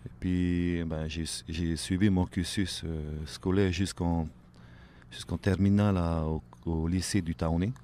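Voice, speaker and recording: A man, talking casually as a guest on a radio show, filling pauses with "ben", "hein" and "voilà". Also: deep voice, level tone, mellow, a little hiss or hum. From Tahiti. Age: late 30s. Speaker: guest, outrigger canoe paddler. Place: radio studio.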